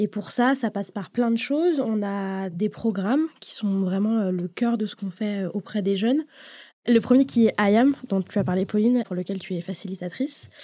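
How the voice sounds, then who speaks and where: On a very clean recording with a silent background, a woman with a somewhat breathy, dark, mellow tone speaks at a medium pitch and moderate pace with ordinary pitch variation. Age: 20s. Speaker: community coordinator at an association. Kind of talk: round-table discussion. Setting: studio.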